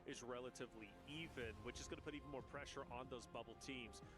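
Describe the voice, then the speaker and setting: A man giving lively esports color commentary outdoors, laughing easily and building excitement. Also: medium pitch, fast, over music. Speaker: esports co-caster.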